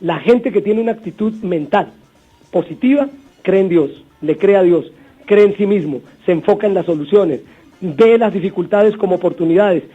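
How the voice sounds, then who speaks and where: A man's voice: high voice, normal speed, breathy edge. A man with a Colombian accent hosting a motivational radio sermon, repeating points and telling stories; his voice sounds strained. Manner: warm storytelling, repetitive exhortation. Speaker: radio host. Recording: dull radio broadcast, faint music.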